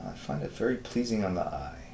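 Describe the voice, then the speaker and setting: A man in his fifties hosts a live drawing stream, casually reading viewer messages and rambling through his answers with plenty of fillers. His low, gravelly voice moves briskly with lively intonation. The room sounds spacious, and there's background noise.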